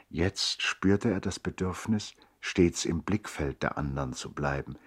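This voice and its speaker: Reflective older narrator, very low voice, melancholy, emphatic theatrical phrasing, 1960s literary radio play. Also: male voice. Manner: measured, emphatic, elegiac. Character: Biagio, reflective elderly brother narrating with melancholy.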